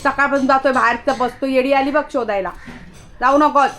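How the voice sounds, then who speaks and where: Woman, home vlogger, high voice, chatty, scolds her dog out loud. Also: fairly even intonation, quick pace. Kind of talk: casual home vlog. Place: house under renovation, indoors.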